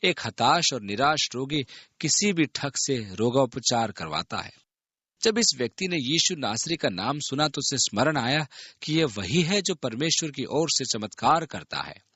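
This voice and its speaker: A man reading a Bible passage aloud and explaining it in an earnest, expressive manner. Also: medium pitch, measured pace, breathy edge, no echo. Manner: earnest, expressive reading that voices the people in the story. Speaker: Bible teacher.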